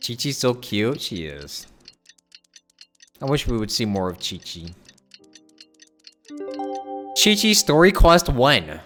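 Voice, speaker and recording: A man's voice: medium pitch, big pitch swings, takes it slowly, pauses often, a bit bright, faint music behind. A young man streaming a game with casual, informal commentary and wry asides.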